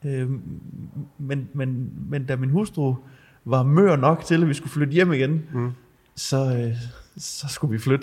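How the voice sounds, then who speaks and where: Somewhat breathy, a man speaks at a very slow pace with long, frequent pauses, a fairly high pitch, and fairly even intonation. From Denmark, Jutland (Vejle). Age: young. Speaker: city centre manager. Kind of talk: casual chat.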